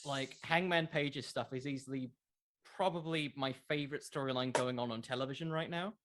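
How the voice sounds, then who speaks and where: A man's voice: medium pitch, brisk, noisy background. Casual, explanatory man being interviewed. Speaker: podcast creator being interviewed.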